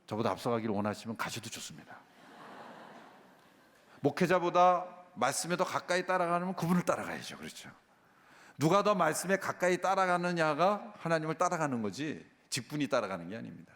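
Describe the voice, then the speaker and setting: 회중에게 수사적 질문을 던지고 인용된 목소리를 흉내 내며 설교하는 남성 목사. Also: male voice, on the high side, a little fast. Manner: animated, rhetorical questions to the congregation, acts out quoted voices. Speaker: pastor. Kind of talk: sermon. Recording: long hall reverb.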